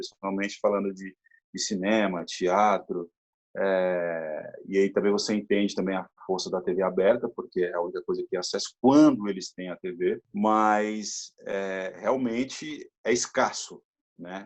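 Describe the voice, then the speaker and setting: The speech comes at a fairly slow pace, recorded with a dry, close sound and no echo. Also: man. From Minas Gerais, Brazil. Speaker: actor and poet. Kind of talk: interview answer.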